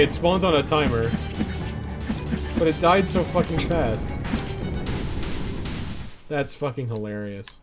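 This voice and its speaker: A man chatting casually and informally, with some swearing, as he livestreams a video game. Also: medium pitch. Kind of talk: casual chat while playing a game. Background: game music.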